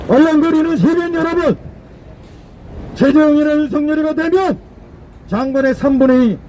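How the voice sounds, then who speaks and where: A rough recording with a little hiss or hum captures a man's extremely high, mellow voice. He is giving an emphatic, declamatory political rally speech in the street, repeating phrases for effect.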